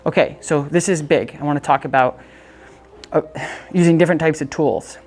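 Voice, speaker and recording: A woman's voice: low voice, normal speed, darkish tone. A woman working as a dog trainer, coaching owners in a casual, chatty way and breaking off to give the dog short, upbeat commands.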